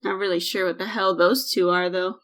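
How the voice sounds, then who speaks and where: A woman's voice: fairly low pitch, little pitch movement, a little fast, a bit bright, close to an everyday voice. A woman playing a sardonic, blunt, easily irritated ordinary human in an audio drama.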